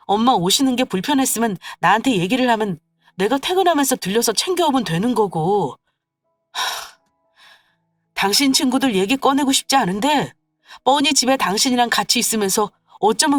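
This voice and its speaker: A woman's voice: mid-range voice, no echo, studio quality, close to an everyday voice. A woman voicing a grown son who firmly reproaches his wife, in a scripted story radio drama. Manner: firm and reproachful.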